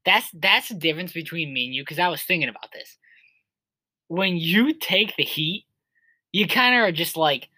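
Rambling twenty-something male co-host, bright tone, dry booth sound. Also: a little high, animated, normal speed, dry recording, poor audio. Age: 20s. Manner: rambling, heavy on filler words. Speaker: podcast co-host. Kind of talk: casual chat.

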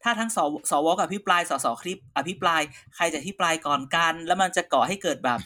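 A man co-hosting a casual political chat podcast, talking in quick asides with laughs. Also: sits high, animated, sharp tone. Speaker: co-host.

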